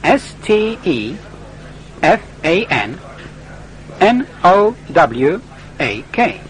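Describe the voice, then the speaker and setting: An actor playing a polite young foreign student who speaks careful, formal, slightly halting English in a scripted lesson dialogue. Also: male voice, high-pitched, big pitch swings, full character voice, poor audio. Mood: earnest. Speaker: interviewee.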